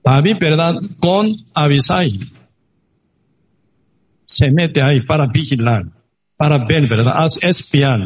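A man preaching a sermon that retells a Bible story, halting and peppered with tag questions. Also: a little high, husky.

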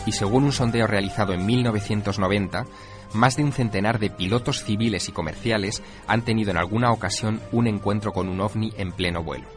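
A man reading scripted documentary narration with measured, dramatic emphasis. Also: on the low side. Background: music.

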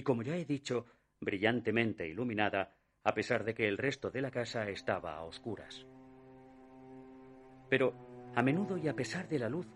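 An actor playing a man in his thirties who recounts a recurring nightmare, narrating a radio drama in a measured, hushed way that sinks almost to a whisper at the darkest moments. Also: mid-range voice, natural voice. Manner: measured, hushed storytelling that drops to a near whisper at dark moments. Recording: narration over music. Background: music.

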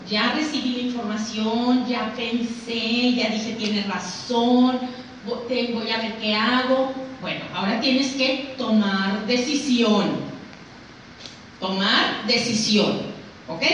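A woman with a Mexican accent giving a motivational talk to an audience, emphatic and full of rhetorical questions. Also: high-pitched. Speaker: speaker. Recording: very echoey room, mic far off, faint noise.

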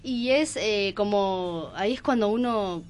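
A woman with a Buenos Aires accent explaining things in a casual radio interview, haltingly and checking that she is followed. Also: mid-range voice. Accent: Buenos Aires Argentine. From Argentina, Buenos Aires province. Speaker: guest, clown theatre performer. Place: radio studio. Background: music.

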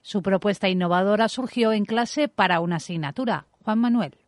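A woman's voice: medium pitch, a little fast, no room sound, clean studio sound. Woman reporting radio news. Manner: clear, even reporting delivery. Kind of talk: scripted news reading.

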